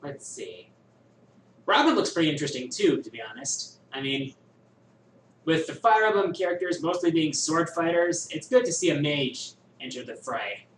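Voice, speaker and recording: A man hosting a viewer question show, musing and thinking aloud with many pauses in casual chat. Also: fairly high pitch, expressive, fairly bright tone, recorded from a distance, slight background noise. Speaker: host answering viewer questions. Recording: echoey room, voice a bit off-mic, faint ambience.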